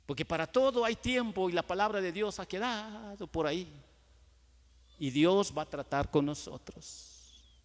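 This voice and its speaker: A male pastor with a Guatemalan Spanish accent preaching a sermon in a church, swelling to loud emphasis and dropping to quiet asides. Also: high voice, measured pace. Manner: acts out dialogues with churchgoers. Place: church sanctuary. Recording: long church reverb.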